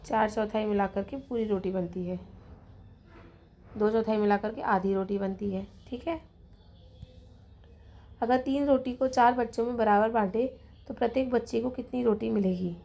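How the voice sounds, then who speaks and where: A woman teacher with a Rajasthani Hindi accent walks children through a math lesson. Her voice sits a little high, with a gravelly fry and a mellow, dark tone. She is patient, counts out loud and checks in often. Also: fairly even intonation, moderate pace, pauses often, a little hiss or hum.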